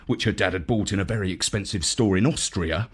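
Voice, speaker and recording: A man reading a children's story in an expressive, deliberate, theatrical narrating style. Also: low voice, breathy edge. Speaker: story reader.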